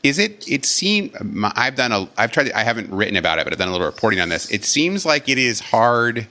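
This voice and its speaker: A man's voice: medium pitch, big pitch swings, fairly quick, pushed and bright. A man hosting a podcast and moderating callers, talking loosely with frequent restarts. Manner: loose, stammering, restarts often. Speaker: podcast host. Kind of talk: live audio-room moderation.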